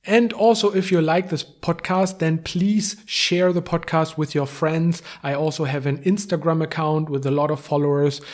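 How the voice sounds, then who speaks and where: A man hosting a language-learning podcast. He says short phrases slowly, repeats them, and explains them in English. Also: fairly high pitch, steady tone. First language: German. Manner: slow, clear repetition of phrases, explaining in English. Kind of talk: slow bilingual language lesson.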